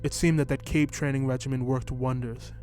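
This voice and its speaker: A man with a mid-range voice reads a first-person short story aloud, brisk yet steady and even in his delivery. Soft music plays in the background.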